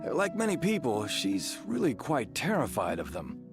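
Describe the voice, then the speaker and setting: A chatty, animated kindly villager. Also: male voice, medium pitch, normal speed. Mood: chatty, friendly. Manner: rambling, animated storytelling with sighs. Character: chatty, kindly married village man, henpecked and generous. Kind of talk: video game voice acting. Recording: game music behind the voice.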